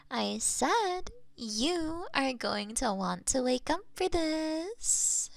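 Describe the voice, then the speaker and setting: A woman playing a doting, playful cat owner in an intimate ASMR roleplay, cooing and gently coaxing as if to a pet, close on a binaural microphone. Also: sits high, big pitch swings, very slow, gravelly, dry recording, full character voice. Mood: tender, coaxing. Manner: cooing, teasing baby talk to a pet.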